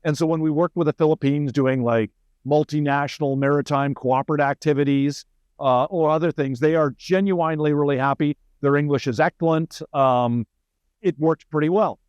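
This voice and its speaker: Higher-voiced Canadian man, close and dry. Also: moderate pace, darkish tone, clean tone, no echo. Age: middle-aged. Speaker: senior military officer, interview guest. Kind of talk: conversational interview, explaining with anecdotes.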